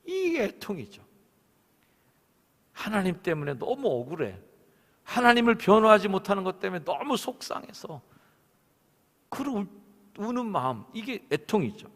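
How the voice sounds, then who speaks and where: A man preaching with a lively, swinging delivery and a fairly high voice. His sermon rings out through the long reverb of a church sanctuary. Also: moderate pace, long pauses. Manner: expressive preaching. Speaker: senior pastor.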